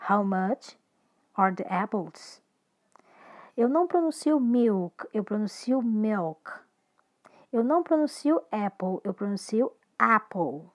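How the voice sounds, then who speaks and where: A woman, an English teacher with a Brazilian Portuguese accent, leads a recorded lesson in a slightly high voice. She speaks slowly and clearly as she shifts between English and Portuguese.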